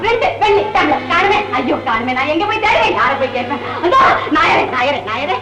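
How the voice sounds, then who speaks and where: A fussy housewife in an old comic film, wailing dramatically in a very high, lively voice. Clear music plays under this 1960s soundtrack. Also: female voice, quick pace, echoey room, poor audio. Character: fussy housewife lamenting lost silver tumblers.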